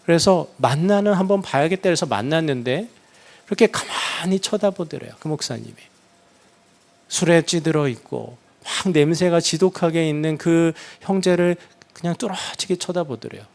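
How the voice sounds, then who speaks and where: A man preaching a sermon as a pastor, telling a story and softly acting out the prayers he quotes. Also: on the high side, normal speed, creaky.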